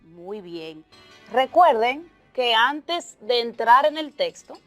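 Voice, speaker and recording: A woman teacher, explaining a lesson slowly and carefully, listing terms one by one and working through examples. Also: on the high side, animated, fairly bright tone, faint music behind. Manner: slow, deliberate explaining with lists and examples. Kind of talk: televised remote class.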